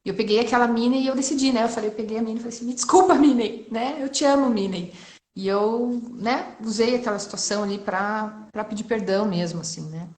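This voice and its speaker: A woman's voice: on the high side, fast, hardly any pauses, darkish tone. A woman in her thirties from Brazil, telling a personal story in a casual, emotional way with frequent tag questions. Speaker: entrepreneur guest sharing testimony. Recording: roomy echo.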